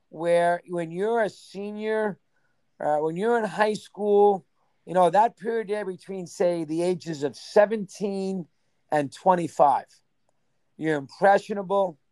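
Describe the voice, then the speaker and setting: Rambling man with a high clear voice. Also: darkish tone, dry recording. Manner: rambling, lists names in quick bursts. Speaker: interview guest. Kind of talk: casual reminiscing interview.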